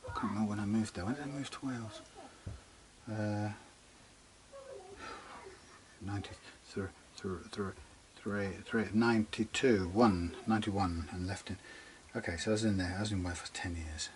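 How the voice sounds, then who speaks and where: A man talking casually through a guitar setup in his workshop, rambling and chatty, muttering quietly as he works. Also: fairly low pitch, fairly quick, background noise. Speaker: guitar repair demonstrator. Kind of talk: casual workshop how-to talk.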